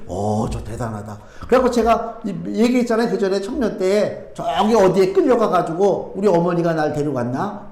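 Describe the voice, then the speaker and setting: Male pastor, middle-aged, high-pitched voice, chatty sermon, rhetorical questions, reverberant church hall. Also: darkish tone. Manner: conversational preaching with rhetorical questions and asides. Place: church sanctuary. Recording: echoey church room.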